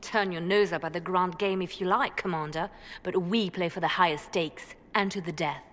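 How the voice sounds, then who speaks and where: An actress playing a shrewd, steely court intriguer in a fantasy game, pointed and reproving. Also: female voice, on the low side, fairly even intonation, moderate pace, a bit bright, close to an everyday voice. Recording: reverberant game hall.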